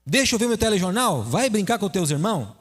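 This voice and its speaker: A man's voice: sits high, sing-song, quick pace. A man playing an irritable, overworked father who scolds his child, inside a preached story. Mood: irritated. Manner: snappish, impatient scolding. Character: stressed, irritable working father.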